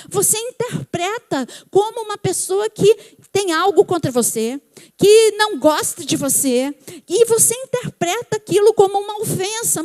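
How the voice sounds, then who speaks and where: A woman's voice: very high-pitched, darkish tone. A Brazilian woman giving a conversational church talk on emotions, often checking that listeners follow. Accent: Brazilian Portuguese. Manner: conversational, asks the audience if they follow. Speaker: church speaker.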